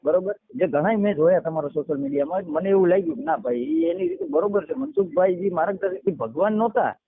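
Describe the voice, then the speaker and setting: A male caller keeps chiming in with eager agreement and talks about poets' verses. His voice is a little high for a man. The line is dry and tinny, with no room around it. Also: very animated, fast talker, vocal fry, breathy edge, no echo. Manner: eager agreement, repeating one hundred percent. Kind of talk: phone call discussion.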